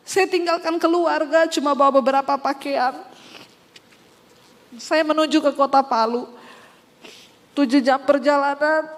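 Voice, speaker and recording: A woman pastor giving a spoken testimony in a sermon, telling her story with strong feeling and acting out the words of others. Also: sits high. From Indonesia. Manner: emotional storytelling, acts out her parents' quoted lines. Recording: long hall reverb.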